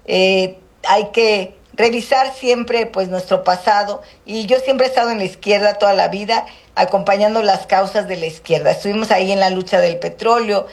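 A woman politician from Guerrero, Mexico, answering interview questions in a measured, halting way with many fillers. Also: medium pitch. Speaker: politician, senator.

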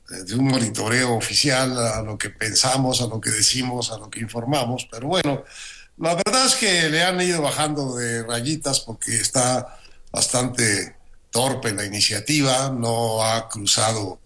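A Mexican man with the flu giving measured, wry commentary as a regular guest, with many hesitant pauses. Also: mid-range voice, bright, forceful tone. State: has the flu. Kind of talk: opinion commentary on air.

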